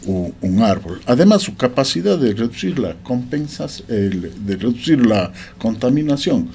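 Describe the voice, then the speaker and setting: A man's voice: mid-range voice, very animated, normal speed, dark tone, slight background noise. A man explaining points as a radio interview guest, hesitant with many fillers. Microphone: studio microphone.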